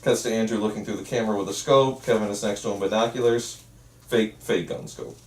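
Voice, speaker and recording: A man's voice: fairly low pitch, expressive, fairly quick. A man reading stage directions at a script table read, casual, dropping in asides. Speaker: script narrator and writer. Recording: echoey room, distant from mic.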